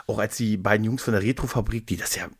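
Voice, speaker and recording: A man's voice: fairly low pitch, fast, husky, dry recording, clean studio sound. A man hosting a podcast in casual, playful chat, rambling along with frequent little tag questions. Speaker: podcast host.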